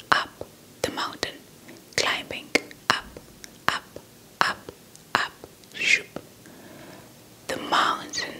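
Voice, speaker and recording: Young female ASMR storyteller, Xhosa speaker. Whispered, extremely unhurried, close-miked delivery. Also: poor audio. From South Africa. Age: young adult. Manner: slow, deliberate, repeats words for effect. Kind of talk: whispered ASMR folktale narration. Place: small indoor setup before a cloth backdrop. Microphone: handheld mic with fluffy windscreen, held close.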